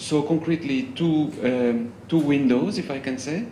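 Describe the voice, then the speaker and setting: A man with a French accent speaks at a fairly slow pace, with noticeable background noise and audible room echo. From France. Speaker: EU official. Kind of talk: conference speech. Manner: halting.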